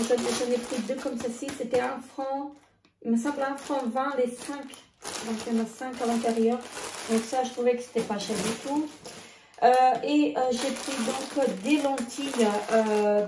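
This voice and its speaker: Hesitant woman, gravelly voice. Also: on the high side, distant mic, noisy background. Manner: hesitant, many filler sounds, halting restarts. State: losing her voice. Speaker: vlogger. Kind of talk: casual grocery haul vlog. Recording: echoey room, voice off-mic.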